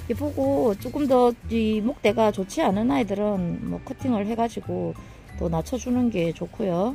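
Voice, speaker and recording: With music in the background, a woman in a Gyeongsang accent talks at a moderate pace with medium pitch and lively intonation. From Gyeongsang, South Korea. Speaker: succulent grower. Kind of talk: casual gardening talk to camera.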